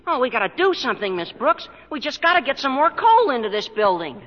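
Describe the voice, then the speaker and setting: Eager, breathless teen boy; high voice; lo-fi vintage radio recording. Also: sing-song, fairly quick, slight background noise. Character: eager, chatty teenage male student. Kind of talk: 1940s radio comedy acting. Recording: muffled old radio broadcast with reverb.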